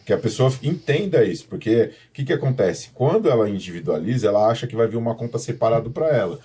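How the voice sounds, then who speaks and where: A man's voice: mid-range voice, expressive, quick pace, warm tone, husky. A man with a São Paulo Brazilian accent presenting a podcast conversationally, speaking informally to viewers and often repeating himself. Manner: informal, repetitive, addresses viewers directly. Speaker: podcast host, professional condominium manager.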